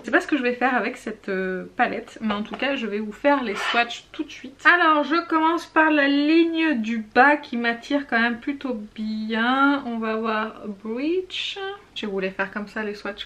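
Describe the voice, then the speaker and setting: Lady vlogger, kinda high voice, chatty and gushy, goes whispery over the swatches. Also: a bit bright. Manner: chatty, gushing, drops to whispers while swatching. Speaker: beauty vlogger. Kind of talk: casual makeup swatch review.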